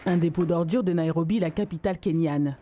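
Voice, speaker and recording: A woman narrating a scripted news report in a calm, even way. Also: lowish voice, fairly quick.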